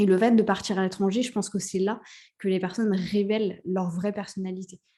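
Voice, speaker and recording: A woman speaks at a medium pitch and a fairly quick pace, in a monotone with flat intonation. The background is quiet. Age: 30s. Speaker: entrepreneur, podcast guest. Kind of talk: casual interview conversation. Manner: hesitant, many fillers.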